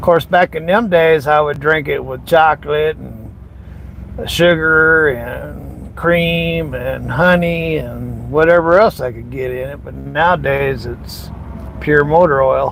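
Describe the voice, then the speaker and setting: A man speaks at a very slow pace, his loudness swinging widely, with noticeable background noise behind him. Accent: American. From California. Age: 60s. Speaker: truck driver. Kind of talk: livestream chat. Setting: in a truck. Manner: casual, halting with fillers.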